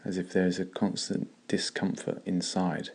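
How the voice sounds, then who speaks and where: Deep, creaky male meditation guide. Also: monotone, normal speed, darkish tone. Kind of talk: guided meditation, slow and calm.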